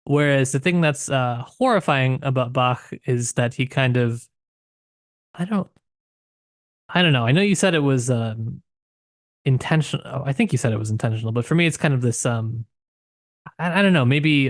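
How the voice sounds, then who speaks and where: A man's voice: mid-range voice, normal speed, pauses often, no room sound, clean studio sound. A man co-hosting a podcast in casual book discussion, tentative, often circling back to rephrase as he thinks aloud. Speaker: podcast co-host.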